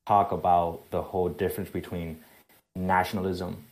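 A man raised in Spain calling in to a show, earnest and quick to apologize. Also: deep voice, little pitch movement, darkish tone. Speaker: caller. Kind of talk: phone call question.

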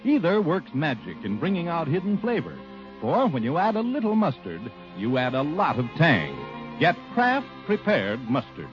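A man's voice: a little high, huge pitch swings, moderate pace. A male announcer reading a mustard commercial in a punchy 1950s radio style. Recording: muffled old radio broadcast with music.

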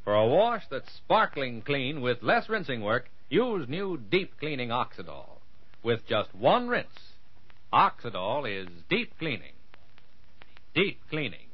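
Animated old-time American radio announcer man. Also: medium pitch, slow pace, husky, no room sound. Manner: polished, emphatic sales delivery. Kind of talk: old-time radio announcer reading sponsor copy and serial outro. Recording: muffled vintage radio broadcast recording.

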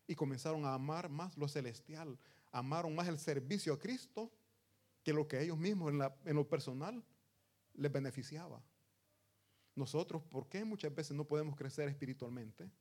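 A man, a pastor, preaching a sermon and calling his listeners brothers, slowing down to stress scripture and swinging between loud rises and soft drops. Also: a little high. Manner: slows down to stress lines of scripture.

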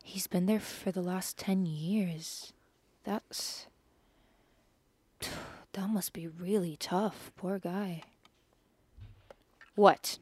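A woman's voice: lowish voice, steady tone, drawn-out words, pauses often, a little mellow, husky, no room sound, full character voice. A young woman in a scripted audio drama, earnest and curious, a little defensive.

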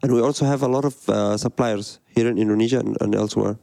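Gravelly low-voiced man from Egypt. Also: fairly even intonation, quick pace, warm tone, dry recording. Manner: hesitant, many fillers and restarts. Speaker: guest, design studio director. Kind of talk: conversational interview answers.

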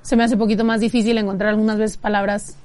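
A woman with a Mexican-American accent chatting casually as a guest, relaxed and code-switching, with frequent restarts. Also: medium pitch, fast. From United States. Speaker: guest rapper. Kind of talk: casual podcast chat.

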